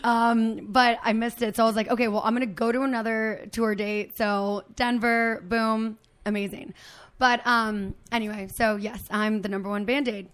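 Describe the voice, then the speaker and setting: A raspy-voiced woman in her thirties hosts a loose, chatty podcast, a bit tipsy from drinking. Her voice sits fairly high and she drifts off on tangents with frequent laughs. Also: little pitch movement, normal speed, a bit bright. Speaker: podcast host. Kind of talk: casual podcast chat.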